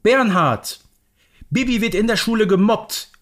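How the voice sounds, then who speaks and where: A man's voice: sits high, a little slow, fairly bright tone, pitched above the performer's own voice. A man voicing a worried, loving mother in a children's story reading. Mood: alarmed.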